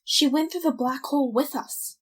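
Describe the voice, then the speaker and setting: A woman's voice: sits high, moderate pace, close to an everyday voice. A woman playing an exasperated, determined young office worker in an audio drama. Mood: resolute.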